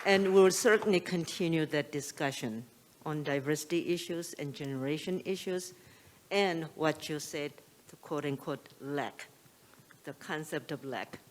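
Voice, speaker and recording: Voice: mid-range voice, unhurried, some chatter behind, a little hiss or hum. A panel moderator thanking a speaker and introducing the next one in a formal manner.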